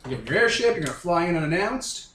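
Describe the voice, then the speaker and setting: A man's voice: high-pitched, animated, rapid-fire, fairly bright tone. A man casually improvising narration as game master of a tabletop game, talking informally. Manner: informal, conversational. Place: indoor room with other players. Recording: echoey room, far from mic, faint noise.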